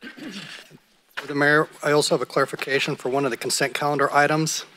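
A middle-aged man, a city attorney, reports to the council in measured, formal legal phrasing at a desk microphone on the council dais. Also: on the high side, sharp tone, low-quality recording.

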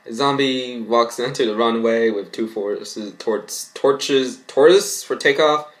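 A young man reads a story aloud and comments on it, haltingly, often tripping over his words. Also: medium pitch. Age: young adult. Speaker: vlogger. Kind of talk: reading fan fiction aloud with mocking commentary. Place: small bedroom indoors.

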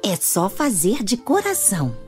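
Woman voicing a gentle, lilting mother hen. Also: mid-range voice, huge pitch swings, unhurried, soft background music. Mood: encouraging. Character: gentle, devout mother hen, adult female. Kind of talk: animated storybook dialogue.

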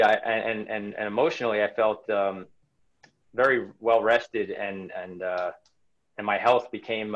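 Man, forties, interview guest on a home video call, reflective, halting, frequent restarts. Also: fairly low pitch, a bit bright, highs cut off. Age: 40s. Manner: reflective, many restarts and repeated words. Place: home room indoors. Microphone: webcam on a video call.

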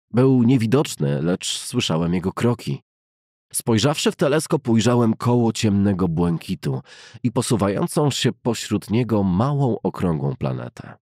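Low, husky male audiobook narrator. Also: a little mellow, no echo, clean studio sound. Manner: measured, formal storytelling. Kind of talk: scripted literary narration of a novel.

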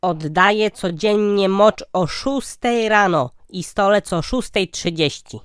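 An actor playing a crude, cheeky, forgetful old man in a cartoon comedy, joking bluntly with a deadpan manner. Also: sits high, slow, smooth, no echo, studio quality. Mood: matter-of-fact. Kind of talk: cartoon comedy sketch dialogue.

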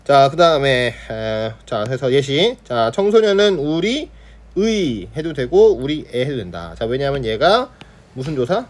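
A man's voice: medium pitch, sing-song, moderate pace. A male teacher giving an online lesson on pronunciation, demonstrating sounds and checking in with students constantly. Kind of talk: online Korean grammar lesson.

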